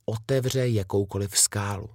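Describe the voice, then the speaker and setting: A man's voice: lowish voice, a little mellow, no room sound, studio quality, close to an everyday voice. A man reading a children's storybook, voicing a kind, firm young female governess who explains things emphatically. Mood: explaining.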